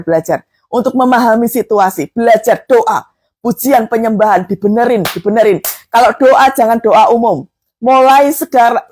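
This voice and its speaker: A woman's voice: a little high, darkish tone. A woman preacher giving an emphatic, exhorting sermon, peppered with filler tags.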